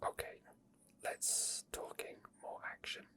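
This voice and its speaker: Slow, hushed ASMR whisperer. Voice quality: breathy whisper. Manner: quiet, unhurried, unscripted rambling. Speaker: video game streamer making ASMR. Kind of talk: whispered ASMR gameplay commentary. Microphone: microphone tucked under a hoodie, close to the mouth.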